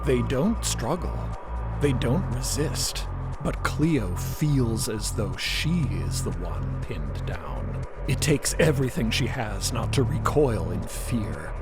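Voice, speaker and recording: A man narrates a drama slowly and theatrically, each phrase deliberately placed. Loud music plays beneath his voice. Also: medium pitch, sing-song. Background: loud cinematic music.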